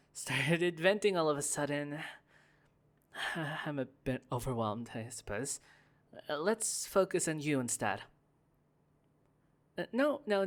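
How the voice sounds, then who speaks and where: Slow, soft-spoken young heir, lonely and guarded, stumbling over words, a man acting it out for an ASMR roleplay. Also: medium pitch. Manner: soft-spoken, hesitant, stammering restarts. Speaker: roleplay performer.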